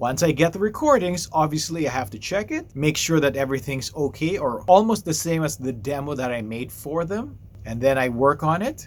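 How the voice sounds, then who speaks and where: A man with a plain, everyday voice talks at a fairly quick pace with hardly any pauses, his pitch fairly high and his intonation lively. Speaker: voiceover artist and radio production manager. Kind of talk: explainer talk to camera.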